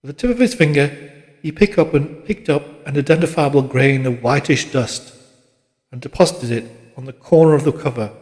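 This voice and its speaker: A man reading literary fiction as an audiobook narrator, in a measured, dramatic manner. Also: medium pitch, darkish tone. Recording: long reverberant hall-like echo.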